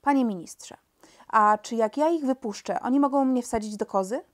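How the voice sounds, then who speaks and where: A woman's voice: a little high, moderate pace, voice pushed up, natural voice. A woman reading the part of an eager young boy king in an audiobook, raising her voice slightly for him. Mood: earnest.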